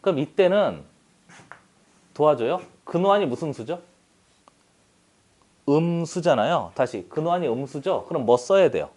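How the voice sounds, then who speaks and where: A man's voice: on the high side, expressive, moderate pace, long pauses, darkish tone. A man teaching a math class, chatty and teasing, often asking the students for agreement. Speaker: math tutor. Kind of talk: classroom math lesson with banter.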